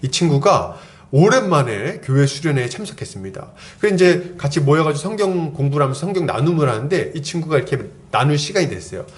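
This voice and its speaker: A man's voice: fairly high pitch, very animated, fast talker, hardly any pauses. A male pastor in his thirties preaching an expository sermon, telling stories and acting out the voices of the people in them. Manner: storytelling, acts out quoted voices, chuckles often. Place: church sanctuary.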